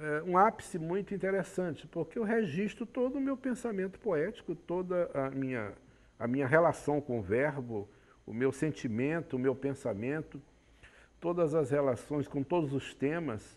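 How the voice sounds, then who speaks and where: At a moderate pace, a man with a fairly high pitch makes very wide pitch swings against a quiet background. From Brazil, São Luís, Maranhão. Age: 60s. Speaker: poet. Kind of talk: interview. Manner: hesitant, with frequent repetitions.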